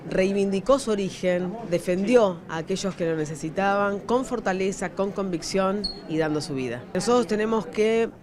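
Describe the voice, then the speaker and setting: An Argentine woman answering an interview like a speech, emphatic and listing points deliberately. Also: mid-range voice. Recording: busy crowd behind.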